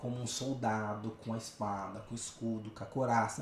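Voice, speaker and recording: Noticeable background noise surrounds a man's voice. The room echo is audible too. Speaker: sign language teacher. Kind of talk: online lecture. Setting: home recording. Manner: fast; hesitant fillers.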